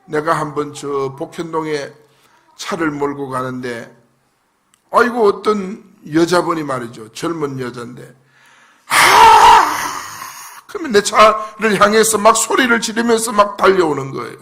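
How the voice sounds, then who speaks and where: A male pastor preaching a fervent sermon, swinging between loud shouted prayers and low asides. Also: expressive, moderate pace. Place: church sanctuary.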